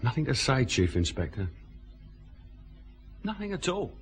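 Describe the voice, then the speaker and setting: An actor playing a surly, mocking truck driver, held for a safe robbery, in a vintage radio drama. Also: male voice, mid-range voice, sing-song, measured pace, slight background noise. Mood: sardonic. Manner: sardonic, evasive, mocking. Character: surly man, a jailed truck driver with a record.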